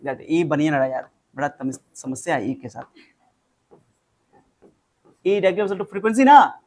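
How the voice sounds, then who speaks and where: A man tutoring chemistry, mixing in English terms, repeating formulas and scolding his student. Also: high voice. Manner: mixes Hindi with English terms. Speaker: chemistry teacher. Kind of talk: informal tutoring lesson.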